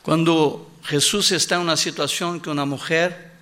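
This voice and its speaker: A male preacher, a native Portuguese speaker, delivering a sermon in halting Spanish with Portuguese words mixed in, repeating his key line with emphasis and acting out the quoted voices. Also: on the high side, steady tone, sharp tone.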